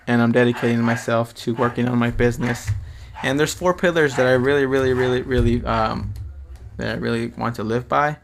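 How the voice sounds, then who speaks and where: On his solo podcast, a man of twenty muses casually in a slangy, rambling way, cursing frequently and starting sentences over. His mid-range voice is gravelly, and there's slight hiss or hum in the recording.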